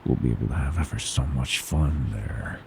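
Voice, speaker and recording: A man's voice: normal speed, very noisy, full character voice. A man voicing a gleeful, predatory monster from under the bed in a horror ASMR roleplay, menacing and mockingly tender, savoring his words and slipping into whispers. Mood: eager, sinister. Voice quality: very deep, gravelly creaking growl.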